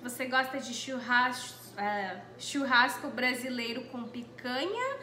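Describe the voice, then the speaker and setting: A woman's voice: fairly high pitch, expressive, slow pace, bright, forceful tone. A young woman with a Brazilian accent, reading out questions in a casual chat, recorded in a living room. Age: young adult. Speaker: interviewer reading viewers' questions. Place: small living room, on a couch. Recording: echoey room with light background noise.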